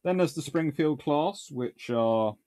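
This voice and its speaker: Slow-paced and animated, with a slightly high voice and a dark tone, this thirtysomething British naval historian talks casually in British English from his book-lined home study. He reviews books and answers questions, mixing dry, wry asides with sudden flashes of enthusiasm.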